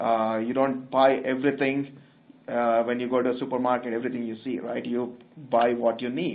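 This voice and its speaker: A man with a medium pitch talks at a fairly quick pace in a monotone, with flat intonation. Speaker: webcast presenter on project management software. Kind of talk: webinar presentation with software demo. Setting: online webcast. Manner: fast; halting, many fillers.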